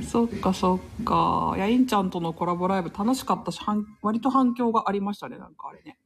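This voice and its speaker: A woman's voice: medium pitch, fast talker, gravelly. A woman hosting a casual live stream, chatting, laughing often and reading listener comments aloud.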